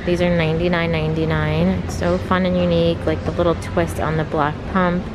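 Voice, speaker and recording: A woman's voice: fairly low pitch, level tone, fairly quick, poor audio. A woman filming a shoe-store haul, chatting through styles and prices in an upbeat, casual way. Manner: chatty, upbeat product rundown listing prices. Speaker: fashion vlogger. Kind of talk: shop-with-me shoe haul narration. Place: shoe store aisle, indoors. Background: background music.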